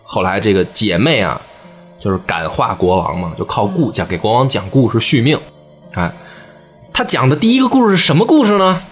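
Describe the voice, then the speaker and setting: A man retelling a folk tale comically, animated and laughing, slipping into character voices. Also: on the low side, brisk, faint music behind. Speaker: podcast storyteller.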